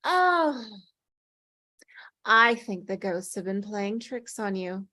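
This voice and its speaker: A woman's voice: medium pitch, big pitch swings, takes it slowly, pushed and bright, no room sound, studio quality, full character voice. A woman playing an eerie, coyly innocent woman in white who needles and probes, in a scripted table read. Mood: coy, needling.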